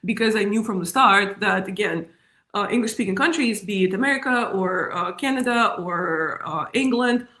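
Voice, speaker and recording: A woman in her thirties with a Russian accent, a guest in a casual interview, talking with animated energy and frequent laughs. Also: mid-range voice, moderate pace, echoey room. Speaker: guest, media strategist.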